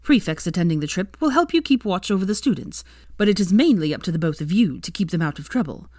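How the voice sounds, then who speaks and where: A woman's voice: on the low side, big pitch swings, quick pace, darkish tone, no echo. A strict older headmistress gives out instructions, formal and commanding, as a woman reads her part. Her voice rises and falls with purpose. The sound is close and dry. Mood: stern.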